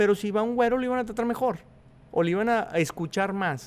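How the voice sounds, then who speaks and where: A man with a Mexican accent. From Mexico, Monterrey. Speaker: businessman. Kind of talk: podcast interview. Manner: casual, hesitant fillers.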